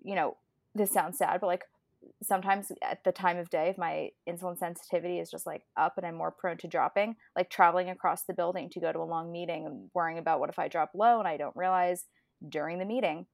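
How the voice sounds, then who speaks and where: A woman's voice: fairly low pitch, fairly even intonation, quick pace, vocal fry, no echo. Chatty young woman in her twenties. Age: 20s. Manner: chatty, rambling with restarts. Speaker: podcast co-host. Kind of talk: casual chat.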